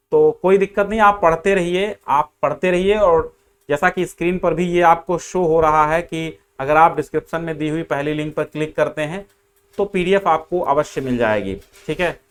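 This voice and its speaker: A man's voice: on the high side, fairly bright tone, a little hiss or hum. A man teaching grammar in an online exam-prep class, explaining step by step and repeating the key answers.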